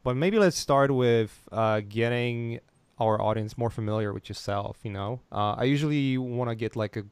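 A man's voice: on the low side, clear, resonant tone, no room sound. Rambling, hesitant man hosting an interview. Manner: hesitant, lots of restarts and fillers, laughs easily. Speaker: podcast host. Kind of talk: casual interview chat.

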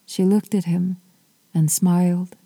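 A woman narrating an old myth as a podcast storyteller, in a measured, lyrical way. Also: fairly low pitch, little pitch movement, dark tone, no echo.

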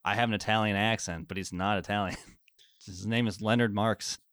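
Low-voiced man rambling about films. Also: fairly even intonation, moderate pace, fairly bright tone, dry recording, clean studio sound. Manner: rambling, laughing, many fillers. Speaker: podcast co-host. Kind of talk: casual film review chat.

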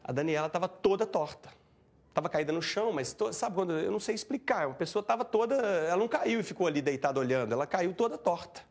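A man recounting a tense event in an interview, animated and acting out what people said. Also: sits high, fast talker. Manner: animated, acts out shouting and quoted speech. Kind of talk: emotional first-person account.

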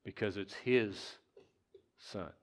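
A man preaching a sermon as pastor in a church, slow and halting with restarts, at times rising to loud, laughing emphasis. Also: on the low side.

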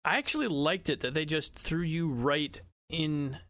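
A man's voice: fairly high pitch, expressive, measured pace, a bit bright, no echo, clean studio sound. A man on a gaming podcast, a bit hesitant and goofy. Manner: goofy, hesitant, does siren noises. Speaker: podcast co-host. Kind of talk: casual podcast chat.

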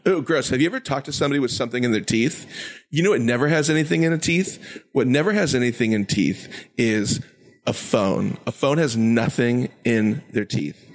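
A man playing an excitable, scheming young shopper in a comedy sketch, gushing and repeating himself in youthful slang. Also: medium pitch, a little fast, close to an everyday voice. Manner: gushing, exclamatory, repetitive, teen-like slang.

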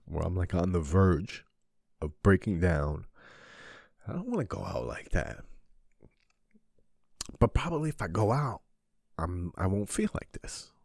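Deep voiced guy crying on his podcast, stops and restarts a lot, swears, dead dry sound. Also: vocal fry, a little mellow, no echo. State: crying, sniffling. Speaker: podcast host. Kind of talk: emotional confessional monologue.

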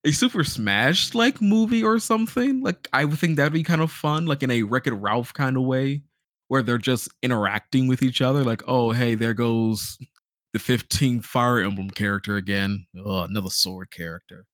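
A man's voice: mid-range voice, normal speed, a bit bright, no room sound, studio quality. A man hosting a podcast in casual chat, talking like an enthusiastic fan with joking asides. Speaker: podcast host. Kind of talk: casual podcast chat about games and films.

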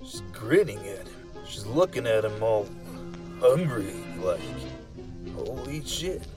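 A man's voice: on the low side, big pitch swings, slow pace, music in the background. A man acting out an irritable, wary young guy in a dramatic first-person horror story, muttering and coarse. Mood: uneasy muttering. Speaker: story reader.

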